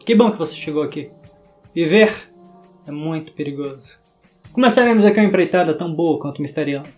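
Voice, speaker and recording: High-voiced young man with a sertanejo accent. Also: lively intonation, a little fast, a little mellow, faint music behind. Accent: Bahian sertanejo. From interior of Bahia, Brazil. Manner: dramatic, theatrical delivery. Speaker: book vlogger. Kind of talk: scripted video essay narration.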